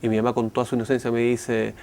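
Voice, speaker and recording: A man's voice: mid-range voice, flat delivery, fast talker, darkish tone, a little hiss or hum. A middle-aged man, a former political prisoner, recounts his past conversationally in a documentary interview, checking in with his listener. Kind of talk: documentary testimony.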